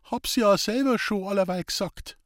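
Man voicing a bedridden village man, emotional, stammering, high strained voice. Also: moderate pace, dry recording, clean studio sound, close to an everyday voice. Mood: grateful. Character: sick bedridden village man, grateful and tearful.

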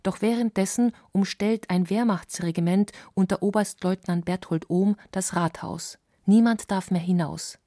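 A woman narrating a historical documentary in a measured, sober scripted voice. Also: mid-range voice, mellow, no room sound, studio quality.

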